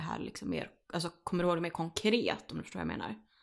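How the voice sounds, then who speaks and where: A woman's fairly low voice with vocal fry and ordinary pitch variation. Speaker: podcast host. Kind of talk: casual chat.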